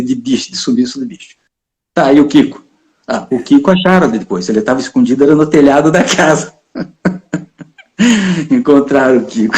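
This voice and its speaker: Mellow-voiced reporter storyteller. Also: male voice, mid-range voice. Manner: lively, chuckles often, acts out other people's voices. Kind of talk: storytelling anecdote in an interview.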